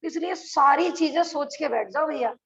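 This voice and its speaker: A woman's voice: high voice, moderate pace, creaky, lo-fi sound. A woman teaching a religious scripture class over a video call, talking earnestly and asking her listeners rhetorical questions.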